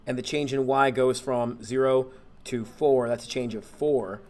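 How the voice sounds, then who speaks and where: A man, a math teacher, relaxed and thinking aloud as he walks through homework problems and corrects himself along the way. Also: mid-range voice, a little slow. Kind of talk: homework walkthrough screencast.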